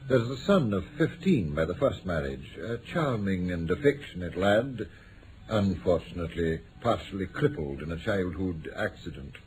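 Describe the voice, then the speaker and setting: A bluff middle-aged gentleman speaks earnestly and haltingly, with some unease, in an old radio play. His low voice rises and falls widely. The recording has slight noise. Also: big pitch swings, low-quality recording. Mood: troubled, earnest. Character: bluff former rugby player, troubled middle-aged gentleman client. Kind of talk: vintage radio drama acting.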